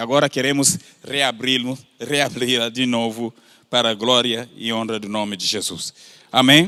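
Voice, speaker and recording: A man talks at a fairly slow pace. He has a non-native accent. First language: not Portuguese (speaking Portuguese). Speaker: missionary preacher. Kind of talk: sermon.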